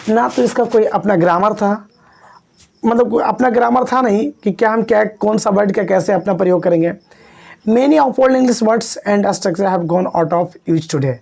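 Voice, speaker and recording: A male teacher gives an exam-prep video lecture. His voice is gravelly and mellow. He repeats key points and coaxes his students along. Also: high-pitched. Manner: coaxing, repetitive, addresses students as "babu". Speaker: English teacher.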